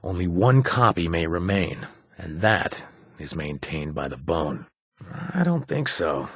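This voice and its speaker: Haunted ex-raider game companion: very deep, rough-edged voice, earnest, conversational delivery. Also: male voice, big pitch swings, fairly bright tone, no echo, clean studio sound, heavily acted. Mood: matter-of-fact. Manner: halting, confiding, casual speech. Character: earnest, haunted reformed male raider in a post-apocalyptic wasteland. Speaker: companion character in a video game. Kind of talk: conversational video game acting.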